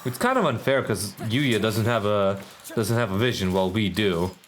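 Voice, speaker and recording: A man's voice: fairly low pitch, lively intonation, normal speed. A man streaming a video game, chatting casually and thinking aloud. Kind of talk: casual gameplay commentary.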